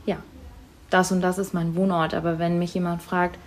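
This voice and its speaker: Soft-spoken woman, hesitant and thoughtful. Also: lowish voice, level tone, normal speed. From Germany. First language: Tamil. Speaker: interviewee. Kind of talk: school interview.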